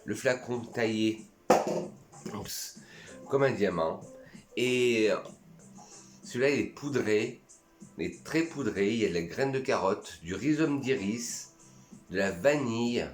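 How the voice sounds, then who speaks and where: A man's voice: fairly low pitch, animated, slow, pauses often, soft background music. Chatty French man in echoey room. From France. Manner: chatty, enthusiastic, talks to himself and his pet. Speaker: perfume YouTuber. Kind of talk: casual vlog review.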